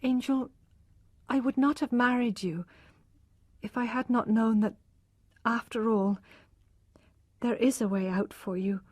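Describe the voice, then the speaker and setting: Rich: A humble, despairing young wife who pleads in a high, trembling voice, as a woman reader puts her on. She speaks slowly. The sound is dry and close. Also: steady tone, a little mellow, no echo. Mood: pleading.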